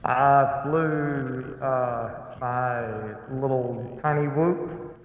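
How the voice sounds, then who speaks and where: Slow, hesitant man in an echoey room. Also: medium pitch, fairly even intonation, lo-fi sound, soft background music. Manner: hesitant, halting. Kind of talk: casual chat. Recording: echoey room with long reverb.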